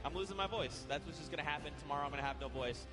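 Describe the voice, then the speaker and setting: A man casting a live esports event, excitedly calling the plays and shouting at the big moments. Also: on the high side, rapid-fire, music in the background. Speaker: esports caster. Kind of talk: live esports play-by-play commentary.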